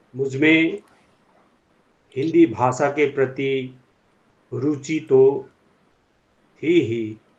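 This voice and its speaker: Somewhat breathy speech with fairly even intonation and long, frequent pauses. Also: man, fairly high pitch for a man. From Sikkim, India. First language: Nepali (speaking Hindi). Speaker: poet. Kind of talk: formal address at online poetry reading. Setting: online event. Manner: formal; halting.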